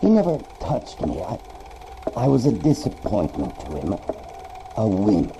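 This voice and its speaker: An actor playing an older, guilt-ridden father in a horror game, with a creaky voice and halting, anguished, slow delivery. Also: lowish voice, wildly swooping pitch, noisy background, exaggerated voice. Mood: defensive, anguished. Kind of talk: dramatic horror game acting. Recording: music under the voice.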